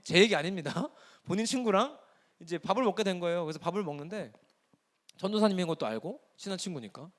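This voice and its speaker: Fast, lively-voiced male pastor preaching. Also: a little high. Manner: lively, conversational preaching that acts out quoted dialogue. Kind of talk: sermon to a young adult service.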